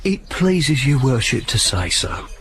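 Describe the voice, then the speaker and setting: A man's voice: mid-range voice, big pitch swings, fairly bright tone. A man playing a pompous bumbling constable. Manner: slow, self-important, muddles words. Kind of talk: Shakespeare audio play.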